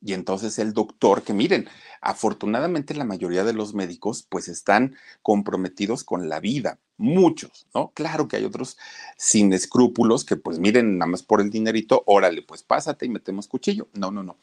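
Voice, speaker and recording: A man's voice: lowish voice, animated, moderate pace, darkish tone. A man telling a moralizing story, chatting directly to his listeners.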